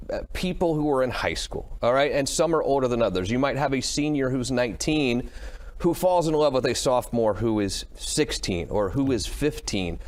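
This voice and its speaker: A male host of a live call-in talk show speaks in a conversational way at a middle pitch. He reads out the call-in number, asks his guest questions, and acts out hypothetical situations in the first person. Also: darkish tone. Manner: conversational, poses hypotheticals and short reactions.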